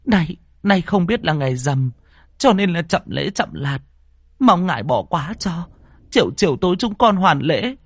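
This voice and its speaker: A man's voice: sing-song, moderate pace, fairly bright tone, breathy edge, no echo, full character voice. A man doing a fretful old village grandmother. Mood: pleading prayer. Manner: pleading, high quavering old woman's voice.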